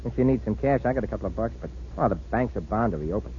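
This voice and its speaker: Old 1940s radio clip, actor doing easygoing american regular guy, talks fast, soft dark tone, muffled recording. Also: fairly low pitch, expressive, natural voice. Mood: breezy. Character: casual, unworried American everyman pal. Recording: old dull radio recording, faint noise.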